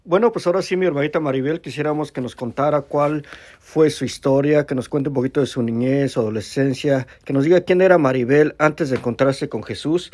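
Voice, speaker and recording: A man's voice: a little high, brisk, darkish tone, no echo, studio quality. A man hosting a Catholic testimony channel, exhorting the listener directly and then interviewing a caller. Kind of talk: preaching introduction and interview.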